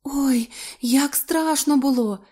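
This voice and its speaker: A woman's voice: slow, mellow. A woman doing a shrieking panicky young woman. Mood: whimpering. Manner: shrill, panicky cries.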